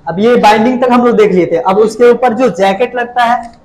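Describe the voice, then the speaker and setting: A man's voice: very high voice, brisk, a little mellow, slight background noise. A young man guiding a reporter through a printing factory, explaining each step plainly with restarts and fillers, on a handheld mic. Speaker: factory guide at a printing press. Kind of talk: explaining a production process on a walkthrough. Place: large indoor factory floor with running machines. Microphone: handheld mic held by the interviewer.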